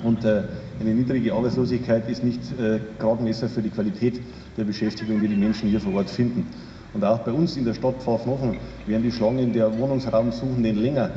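A man talks at a fairly quick pace with fairly even intonation. Light background noise and audible room echo are present. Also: medium pitch for a man. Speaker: local politician. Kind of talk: public speech. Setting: outdoor rally. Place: street. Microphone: podium.

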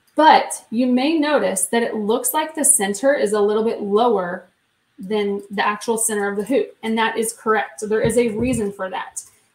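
Ordinary pitch variation in a voice with audible room echo. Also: woman, fairly high pitch for a woman. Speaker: sewing and embroidery educator. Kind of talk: live tutorial demonstration. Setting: live video stream with camera setup. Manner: fast talker; bubbly, enthusiastic.

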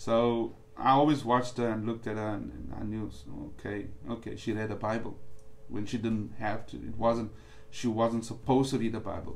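Against light background noise, a man speaks at a moderate pace in a fairly low pitch with vocal fry and fairly even intonation. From South Africa, Durban (Chatsworth), Indian community; KwaZulu-Natal, South Africa. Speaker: church member sharing testimony; radio guest. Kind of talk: testimony; interview answer. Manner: hesitant, many fillers and repetitions. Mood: reflective, earnest. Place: studio. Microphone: too far from the mic, hard to hear; studio mic.

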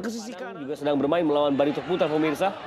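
A man in an animated tone, over noticeable background noise. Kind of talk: live match commentary over highlights. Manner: animated, excitable; fast, rapid-fire play-by-play.

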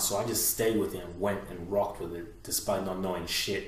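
Audible room echo surrounds a man's fairly low voice. He speaks at a fairly quick pace and sounds somewhat breathy. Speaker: self-improvement vlogger. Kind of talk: casual vlog chat. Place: home room.

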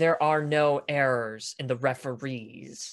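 A growling, put-on character voice at a low-to-middle pitch moves along at a fairly slow pace. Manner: menacing, deadpan.

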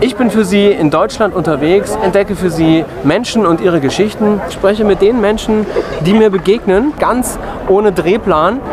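A man's high voice with ordinary pitch variation at a moderate pace, dry with no echo, over noticeable background noise. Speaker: TV-style reporter and host. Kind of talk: show intro to camera. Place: street. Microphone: phone near.

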